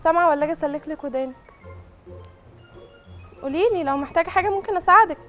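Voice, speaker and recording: A woman's voice: very high-pitched, rapid-fire, a bit bright, soft background music. A woman with an Egyptian accent in a heated argument, insulting and threatening a guest. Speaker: jealous wife in a prank.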